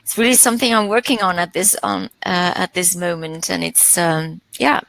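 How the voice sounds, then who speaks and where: A woman speaking hesitantly in a reflective conversation, often pausing to search for words. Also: fairly low pitch, steady tone, vocal fry, fairly bright tone. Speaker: panel guest.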